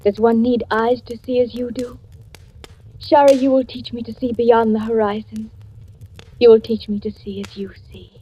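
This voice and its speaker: Actress as a soft blind peasant girl for old radio, high voice, dull and slightly noisy. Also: little pitch movement, normal speed, close to an everyday voice. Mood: tender. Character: gentle blind young peasant woman. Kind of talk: 1940s radio acting. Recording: dull old radio broadcast with faint noise.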